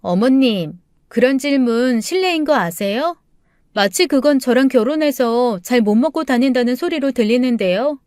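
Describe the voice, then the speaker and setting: A woman voicing a sharp-tongued young daughter-in-law who answers with curt, indignant retorts. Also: high voice, expressive, moderate pace, no echo, clean studio sound.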